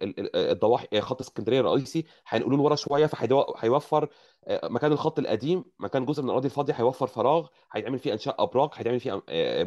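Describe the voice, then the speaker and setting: A man with an Egyptian Arabic accent and a mid-range, darkish voice speaks as a guest engineer, explaining at length in an interview. He often restarts his words, and the audio is muffled and lo-fi.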